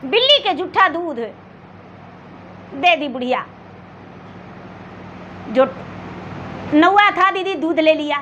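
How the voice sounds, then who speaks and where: A woman's voice: extremely high pitch, lively intonation, slow, long pauses, pushed and bright. A woman with a Bihari accent telling a devotional folk tale in a rustic, conversational way, repeating phrases for emphasis and acting out the dialogue as she addresses her listeners. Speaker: religious folk-tale storyteller. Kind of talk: oral storytelling with acted dialogue, addressing a devotional gathering. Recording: dull lo-fi with faint background noise.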